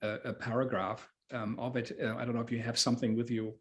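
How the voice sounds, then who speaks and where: A man's voice: mid-range voice, level tone, fast talker. A man hosting an informal interview, searching for his words and often repeating them. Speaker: host interviewing an author.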